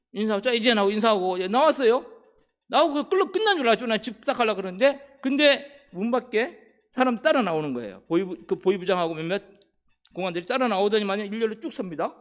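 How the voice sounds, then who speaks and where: Middle-aged male missionary preacher, lively swooping delivery, acts out dialogue in a sermon story. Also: high-pitched, fast talker. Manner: storytelling, acting out quoted dialogue. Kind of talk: sermon testimony.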